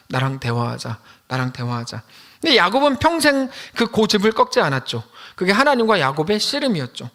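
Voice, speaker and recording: A middle-aged male pastor delivering a sermon, acting out shouts and quotes as he preaches. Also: high-pitched.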